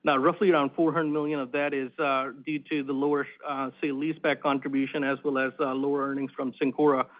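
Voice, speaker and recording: A man working as a finance executive, explaining figures on an earnings call in a halting, filler-heavy way. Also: mid-range voice, little pitch movement, phone-quality sound. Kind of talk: answering analyst questions on an earnings call.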